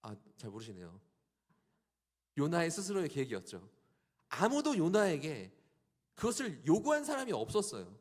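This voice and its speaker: A middle-aged male pastor preaching a sermon, drawing the congregation in with rhetorical questions and animated delivery. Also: on the high side, normal speed, long pauses.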